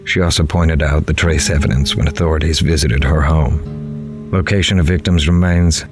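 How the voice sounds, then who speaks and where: An actor playing a grim, dogged male crime reporter in a horror audio drama, with a measured, grave, dramatic delivery. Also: very deep voice, steady tone, music in the background. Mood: grim, methodical. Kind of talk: noir-like scripted horror narration.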